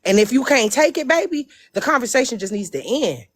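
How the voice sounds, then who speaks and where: A woman's voice: a little high, big pitch swings, brisk. A woman with an African American English accent speaking bluntly and emphatically in an impassioned, casual live discussion, repeating phrases for stress. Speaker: panel speaker.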